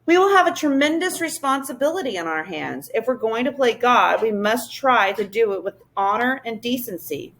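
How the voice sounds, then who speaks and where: A thoughtful young boy, earnest and deliberate, weighing each word before he speaks, played by a woman reading a book aloud. His lines ride fairly high with lively pitch swings. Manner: speaks slowly, choosing words carefully.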